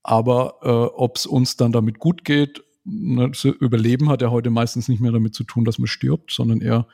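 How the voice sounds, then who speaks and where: A man in his forties, a podcast guest, talking in a thoughtful, measured way and often ending remarks with a questioning tag. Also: medium pitch, level tone, gravelly, mellow, husky. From Germany. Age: 40s. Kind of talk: casual conversational interview.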